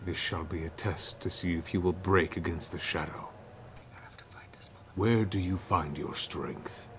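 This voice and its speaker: A man whispers in a put-on character voice with a rumbling, solemn tone. He speaks at a moderate pace, broken by long, frequent pauses. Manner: solemn, cryptic, testing.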